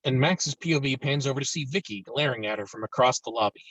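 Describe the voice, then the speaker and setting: Slightly husky man narrating a screenplay. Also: mid-range voice, fast, fairly bright tone, dry recording, rough recording. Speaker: stage directions reader.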